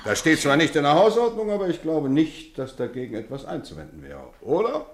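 An actor playing a kindly, playfully stern middle-aged housemaster in a German radio play, measured and theatrical. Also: male voice, fairly high pitch, sing-song, reverberant, a crowd in the background. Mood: teasing, mock stern. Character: kindly, playfully stern boarding school housemaster, grown man.

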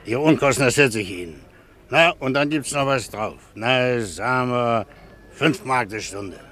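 An actor playing a slick gang boss in a radio play, coaxing and bargaining. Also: male voice, medium pitch, measured pace, fairly bright tone, lightly acted. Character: Pumps, slick Berlin gang boss recruiting a helper.

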